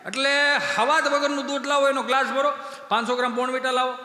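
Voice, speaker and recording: A stand-up comedian with a Kathiawadi Gujarati accent spins rustic comic tales on a live stage, his voice very high-pitched and fast. He's an animated storyteller trading in rustic dialect banter, a style of folk stage comedy. The sound is echoey, carried through a hall over the live stage PA.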